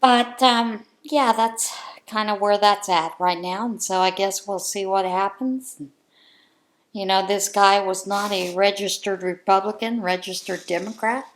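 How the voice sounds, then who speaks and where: A woman's voice: mid-range voice, fairly even intonation, measured pace. A woman hosting a crafting channel, sharing her views in a casual chat from home in an earnest, heartfelt way.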